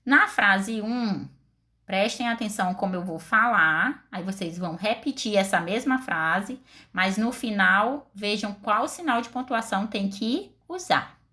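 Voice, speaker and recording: A woman teacher with a Brazilian Portuguese accent, giving a recorded class lesson and asking her pupils questions. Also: medium pitch. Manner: slow, deliberate, expressive with questions to pupils.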